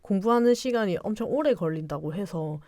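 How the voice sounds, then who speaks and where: A woman's voice: mid-range voice, animated, fairly quick, dark tone, no echo. A woman with a Korean regional accent, chatting casually as a podcast guest in a rambling, giggly, self-deprecating way. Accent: Korean regional dialect. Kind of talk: casual conversational storytelling.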